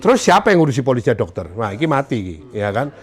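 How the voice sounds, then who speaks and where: A man giving a joking, lively motivational training talk to insurance sellers, acting out client dialogues. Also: medium pitch, quick pace, husky.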